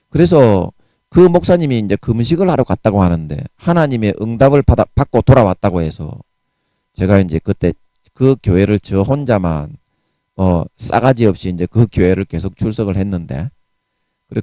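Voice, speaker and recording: A man's voice: fairly low pitch, mellow, no echo. Gyeongsang guy in his 40s preaching hard and blunt, voice jumps all over, dry close sound. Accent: Gyeongsang Korean. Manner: fiery, blunt preaching with harsh curses. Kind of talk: sermon.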